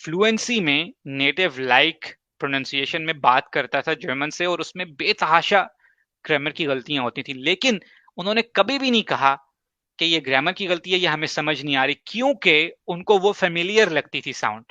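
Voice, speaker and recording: Bright emphatic man, dull lo-fi sound. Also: a little high, expressive, no echo. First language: Urdu. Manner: emphatic, explains with examples and quick asides. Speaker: host. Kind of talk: casual advice talk.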